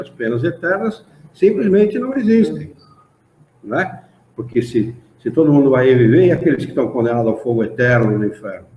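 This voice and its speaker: A fairly high-pitched man with a Brazilian Portuguese accent leads a spiritist study class, explaining texts and posing rhetorical questions to those present. The meeting-room recording at the study association is roomy, dull and lo-fi, with slight background noise.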